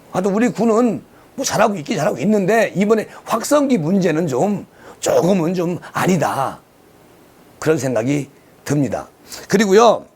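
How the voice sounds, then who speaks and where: Man from Chungcheong with a strong regional accent. Emphatic commentator with high, swooping pitch. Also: slightly rough. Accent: Chungcheong dialect. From Chungcheong Province, South Korea. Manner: emphatic, sing-song, talks directly to viewers. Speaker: YouTube political commentator. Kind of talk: solo commentary.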